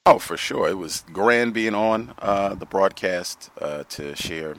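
A male radio host with an extremely low, deep voice. He speaks in a measured way and pauses often on "uh" between phrases as he talks to callers. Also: lively intonation, a bit bright. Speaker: host of a call-in radio show. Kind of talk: call-in talk radio hosting.

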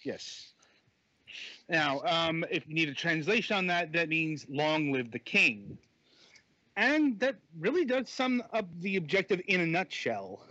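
A man co-hosting a laid-back game review chat, halting often with fillers and restarts. His voice sits fairly high and bright. It comes through a dull, lo-fi phone microphone with no room sound. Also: big pitch swings, no room sound. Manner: hesitant, many fillers and restarts. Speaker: podcast co-host reviewing games. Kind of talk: casual chat.

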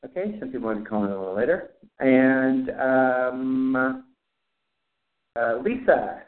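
A man's voice: mid-range voice, animated, unhurried. Man leading a class over a tinny phone line. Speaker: spiritual class leader. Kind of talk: teleconference roll call and guided prayer. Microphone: phone call.

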